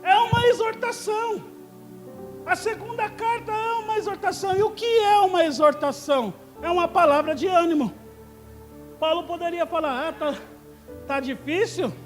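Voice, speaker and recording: Pastor guy preaching, very high voice, goes from soft to shouting, big church echo. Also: moderate pace, soft background music. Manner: swings from hushed tender storytelling to loud shouted exhortation. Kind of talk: sermon.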